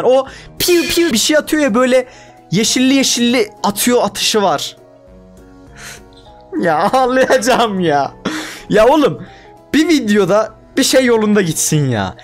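A young man runs casual gameplay commentary in a high, bouncy voice that jumps all over. He is excitable and plays up his frustration, grumbling to himself. Faint music sits under his voice. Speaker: gaming YouTuber.

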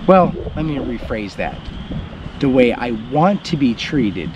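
Seated in a camp chair in a yard, a middle-aged homesteading vlogger tells stories in a blunt, casual way, livening up when recounting events. He has a mid-range voice and an unhurried delivery. Recorded by a camera a few meters off, the noisy outdoor sound feels open, with highs cut off and constant background noise.

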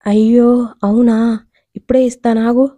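A woman's voice: fairly high pitch, little pitch movement, unhurried, dark tone, no echo, natural voice. Woman voicing a caring old grandmother. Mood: concerned. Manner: caring, reassuring. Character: kind elderly grandmother.

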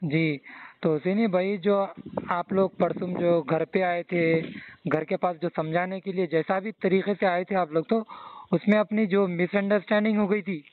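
High-voiced Hyderabadi man on a tinny phone. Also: fairly even intonation, measured pace. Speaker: caller. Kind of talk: explanatory phone conversation. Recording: tinny narrowband phone line.

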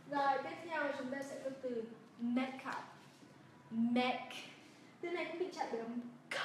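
High-voiced Vietnamese teacher in an echoey room. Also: female voice. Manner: drills words slowly and repeats them. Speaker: English pronunciation teacher. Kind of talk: livestreamed pronunciation lesson. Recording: echoey room, voice from a distance, faint hiss.

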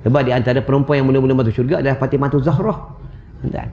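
A man with a Malaysian Malay accent preaching in a mosque prayer hall, animated and teasing, acting out little scenes with wives' voices. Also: medium pitch, racing, vocal fry, muffled recording, a little hiss or hum. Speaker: religious preacher. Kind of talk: lively sermon.

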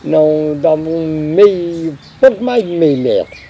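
A man's voice: fairly high pitch, expressive, unhurried, mellow, a little hiss or hum. An older man with a Brazilian accent, giving short, plain answers about farm work in a casual chat. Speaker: guest.

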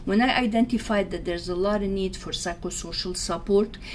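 A woman in her sixties, from Syria and raised in Lebanon, explaining her community work in an interview with many pauses and fillers. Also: medium pitch, a little hiss or hum. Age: 60s. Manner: earnest, searching for words with many fillers. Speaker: guest, community organizer.

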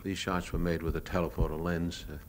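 Deep-voiced man narrating over noisy old recording. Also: little pitch movement, a little fast. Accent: American. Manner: matter-of-fact, hesitant reminiscing. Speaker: newsreel cameraman. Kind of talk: unscripted narration of his own home movies.

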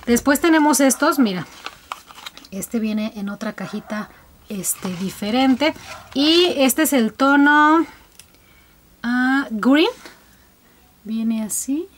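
Slow-talking chatty young woman. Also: high voice. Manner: chatty, addresses viewers directly, frequent fillers. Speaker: beauty vlogger reviewing colored contacts. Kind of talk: casual product review.

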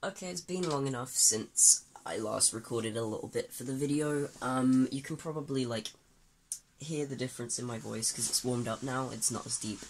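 Young trans man, late teens, vlog ramble, gravelly edge, lots of fillers, phone at arm's length, bedroom. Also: mid-range voice, moderate pace, poor audio. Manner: candid, rambling, many fillers and restarts. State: groggy, just woken up. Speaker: vlogger. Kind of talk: casual personal vlog ramble. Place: small bedroom, then a desk in a bedroom, indoors. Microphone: phone or webcam at arm's length.

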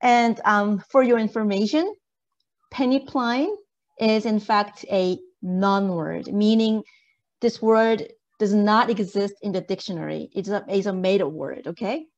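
A woman's voice: mid-range voice, unhurried, muffled recording. A woman lecturer giving an interactive online lesson in an encouraging way, checking understanding with questions. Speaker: university lecturer. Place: indoor video call.

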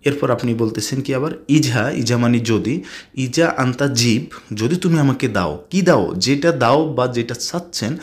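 A man with a Bangladeshi accent teaching basic spoken Arabic, repeating each word slowly and mixing in English phrases. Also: medium pitch, lively intonation. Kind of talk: spoken language lesson.

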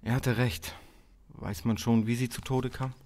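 A man's voice: mid-range voice, level tone, measured pace, a little mellow, lightly acted. An actor playing a worried, angry father of a missing daughter in an audio crime drama, with an agitated manner. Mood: shaken, worried. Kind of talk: German audio drama acting.

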